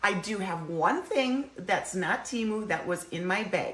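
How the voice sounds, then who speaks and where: Speaking in an American accent, a woman uses an animated tone with very wide pitch swings, amid audible room echo and noticeable background noise. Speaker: lifestyle YouTuber, haul reviewer. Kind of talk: casual product haul vlog. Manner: chatty, animated.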